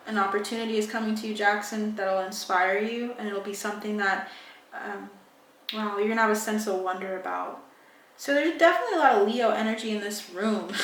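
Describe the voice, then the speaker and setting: A woman giving a spiritual tarot reading, musing and halting as she reads card meanings aloud. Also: mid-range voice, a bit bright, reverberant, far from the mic, slight background noise, low-quality recording. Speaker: tarot reader.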